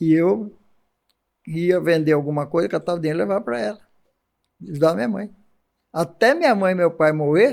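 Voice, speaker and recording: Pitched high, a man speaks at a fairly quick pace with lively intonation, broken by long, frequent pauses. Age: 70s. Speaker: market stall vendor. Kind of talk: interview conversation.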